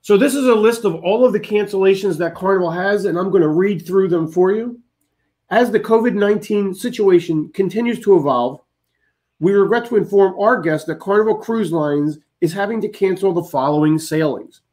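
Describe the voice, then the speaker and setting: A man's voice: high voice, normal speed, darkish tone. A man hosting a cruise travel channel, steadily reading out a long list of updates to his viewers.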